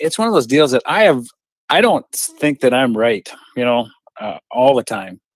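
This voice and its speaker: With a dry, close sound and no echo, a man speaks at a moderate pace using very wide pitch swings. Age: 60s. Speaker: landowner, radio guest. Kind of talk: casual chat.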